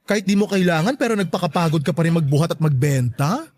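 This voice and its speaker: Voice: medium pitch, expressive, fast, darkish tone, natural voice. A performer playing a flamboyant, teasing gay best friend in a Filipino radio drama, with a campy, exclamatory delivery. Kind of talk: Tagalog radio drama acting.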